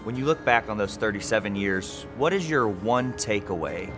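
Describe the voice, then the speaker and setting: A young man working as a sportscaster, speaking in a clear broadcast style. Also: on the low side, expressive, normal speed, music in the background. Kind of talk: interview questions and radio basketball play-by-play.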